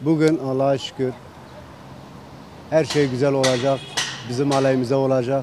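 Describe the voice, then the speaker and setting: A man with a Kurdish accent talks at very even loudness, with long, frequent pauses and noticeable background noise. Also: medium pitch for a man, moderate pace. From Turkey, Diyarbakır (Kurdish). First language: Kurdish (speaking Turkish). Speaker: passer-by in street interview. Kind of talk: street interview, political opinion. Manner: animated, passionate.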